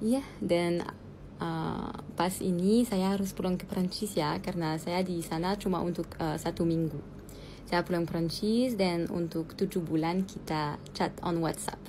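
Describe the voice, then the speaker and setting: Amid noticeable background noise, the speech moves fairly slowly with ordinary pitch variation. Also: woman, fairly low pitch for a woman. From France. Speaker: model. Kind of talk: casual chat. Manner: halting, many fillers.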